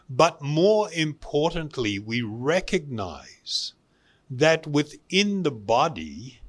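A man giving a spiritual self-help talk as a meditation teacher, deliberate, with emphatic pauses and repeated phrases. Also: mid-range voice, a bit bright.

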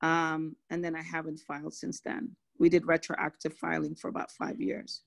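A woman's voice: low voice, completely flat delivery, normal speed, creaky. Hesitant woman on a video call. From Somali American. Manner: hesitant, restarts often. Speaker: caller.

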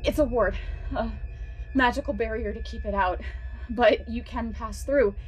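An actress plays an earnest witch in a noir horror audio drama. Her voice is fairly high, pained and straining under the effort of magic, with music behind it. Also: measured pace, darkish tone, natural voice, rough recording. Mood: strained, warning. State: in pain, strained.

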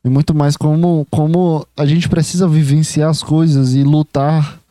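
A young man rambles through his own podcast, excitable and swearing freely as he talks straight at the listener. His voice sits a little high for a man yet sounds very warm and mellow. The recording is dry, with no room around him. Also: moderate pace, no room sound. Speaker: podcast host. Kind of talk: rambling casual monologue.

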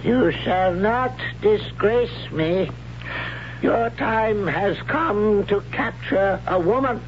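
A man's voice: sits high, slow, a little hiss or hum. A ranting zealot tribal father. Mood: stern. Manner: shouting, commanding, pronouncing rules. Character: stern zealous tribal father, male elder. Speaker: actor. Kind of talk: 1970s radio drama acting. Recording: dull old radio broadcast.

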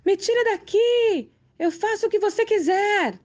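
A woman voicing Death as an ugly skull-faced female figure in a storybook tale, stern and shrill. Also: big pitch swings, normal speed, muffled recording. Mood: shrieking. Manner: stern, then shrieking in despair.

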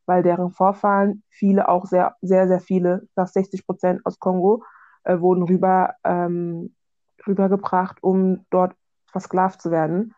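A woman talking casually about her own views, often halting and searching for the right words. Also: on the low side, level tone, dark tone, no room sound, highs cut off. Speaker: discussion participant. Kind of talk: casual personal discussion.

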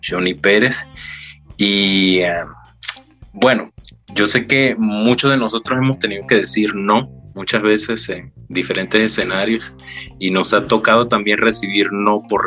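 A man hosting a podcast, chatting casually and warmly with fillers and restarts. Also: on the low side. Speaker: podcast host. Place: remote podcast call, based in Costa Rica.

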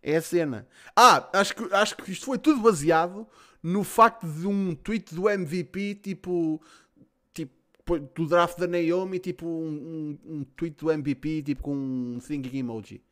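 A man's voice: a little high, unhurried, a bit bright. A man with a European Portuguese accent, hosting a podcast and reading out listener questions in casual, slangy talk with some swearing. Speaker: podcast host.

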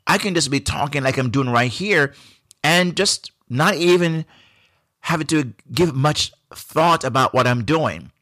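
A man from Jamaica with a Jamaican accent, hosting a solo podcast in a reflective, unhurried way with frequent restarts. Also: fairly high pitch, animated, bright, forceful tone, no echo, clean studio sound. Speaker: podcast host.

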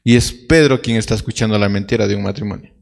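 Gravelly-voiced male pastor preaching. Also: fairly low pitch, fast talker, darkish tone. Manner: direct, questioning the congregation. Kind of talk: sermon.

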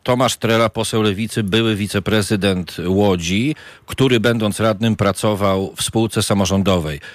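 A man's voice: lowish voice, steady tone, normal speed, no room sound. A man hosting a radio show who grills his guest in a combative, accusing, interrupting way. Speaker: radio host.

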